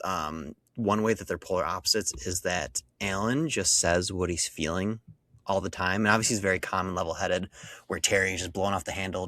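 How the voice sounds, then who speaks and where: A man's voice: low voice, fairly bright tone, no echo. A man co-hosting a movie podcast, talking in a thoughtful, rambling way. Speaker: podcast co-host. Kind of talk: casual movie chat.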